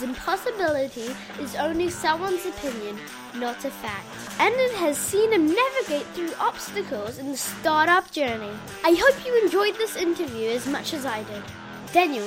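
Very high, lively woman interviewer. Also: normal speed, music in the background, low-quality recording. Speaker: interviewer and host. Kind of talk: scripted introduction and prepared interview questions.

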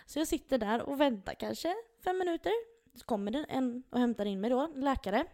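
Young woman cohost, high-ish voice, laughs thru her story, animated. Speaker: podcast co-host. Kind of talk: casual storytelling.

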